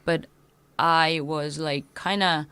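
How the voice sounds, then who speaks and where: Speaking English as a second language after Korean, a woman in her thirties appears as a punk musician guest in a casual interview, halting and restarting with frequent fillers. Her low voice has fairly even intonation and a fairly bright, clean tone.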